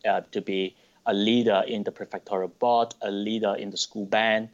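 Malaysian man, low voice, muffled sound. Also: little pitch movement. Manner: thoughtful, with pauses and restarts. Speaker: podcast guest. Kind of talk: interview answers. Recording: dull lo-fi sound.

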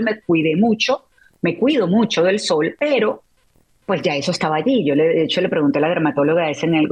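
A woman's voice: lowish voice, slightly rough. A middle-aged woman, a guest on an interview show, telling a personal story in an emotional, reflective way and often restarting her sentences.

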